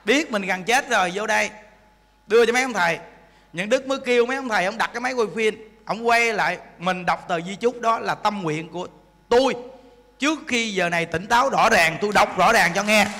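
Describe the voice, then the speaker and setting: Male monk, lively folksy sermon, high and bright voice, long reverb of a temple hall. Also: a little fast. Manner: animated, joking, acts out voices, asks the audience. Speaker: Buddhist monk teacher. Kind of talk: folksy dharma talk.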